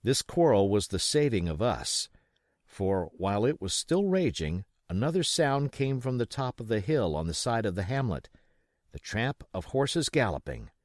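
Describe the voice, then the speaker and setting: A man reading an adventure novel aloud as scripted, expressive, dramatic narration. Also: on the low side, normal speed, no room sound, clean studio sound. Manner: expressive storytelling. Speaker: audiobook reader.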